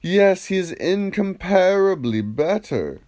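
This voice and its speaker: A man acts out a vain ancient Greek rhapsode in a philosophical audiobook. The voice is lifted and swings widely, with proud, eager emphasis and a soft, mellow tone. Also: sits high, very animated, slow, pitched above the performer's own voice, full character voice. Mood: confident agreement. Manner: boastful, emphatic short answers. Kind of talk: audiobook reading of philosophical dialogue.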